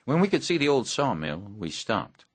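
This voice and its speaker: A man reading a novel aloud in a measured, plain first-person storytelling voice. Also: mid-range voice, very animated, dry recording. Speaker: audiobook narrator. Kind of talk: scripted first-person narration.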